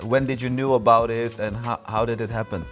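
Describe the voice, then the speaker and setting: A man hosts a casual podcast interview. He asks friendly questions, sometimes restarting a sentence. Faint music plays behind his mid-pitched voice. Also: steady tone, fairly quick. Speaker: podcast host.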